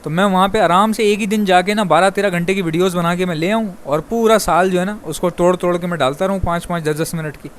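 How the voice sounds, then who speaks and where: Male bird-breeding vlogger from Pakistan, rapid and talkative, slightly high voice, faint ambient hiss. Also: fairly even intonation. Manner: rapid, chatty, addresses viewers as brother. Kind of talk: fast casual monologue to viewers.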